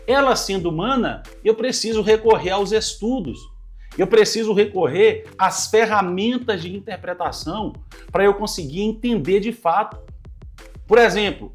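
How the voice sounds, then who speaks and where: Pastor, slightly high male voice, earnest Bible lesson over soft music. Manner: earnest teaching, addresses listeners as brothers. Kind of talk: Bible study teaching. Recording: light music underneath.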